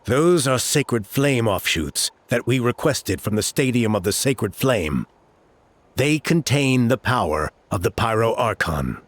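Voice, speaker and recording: A man's voice: mid-range voice, animated, measured pace, no echo. A man voicing a composed tribal guide in a video game, patiently explaining the steps of a sacred rite. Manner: patient, explanatory, with a wry chuckle. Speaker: ceremony guide.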